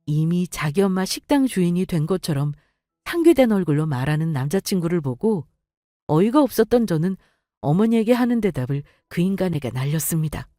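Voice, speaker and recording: A woman's voice: lowish voice, sing-song, brisk, mellow, no room sound, clean studio sound. A young woman narrating her own story in an indignant, confiding way. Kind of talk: scripted first-person story narration.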